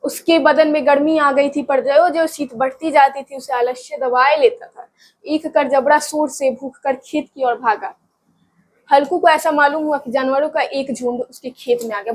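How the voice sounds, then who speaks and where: High-voiced woman teacher reading aloud. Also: breathy edge. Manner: breaks in with plain-speech explanations and check-ins. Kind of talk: reading and explaining a story for students.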